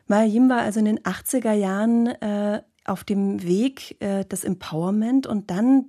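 A woman's voice: medium pitch, dark tone, breathy edge. A woman hosting an interview, asking composed questions and narrating scripted links. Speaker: host.

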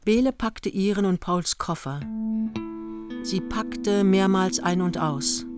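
A woman narrating a literary radio play in a measured, matter-of-fact storytelling manner. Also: mid-range voice. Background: music.

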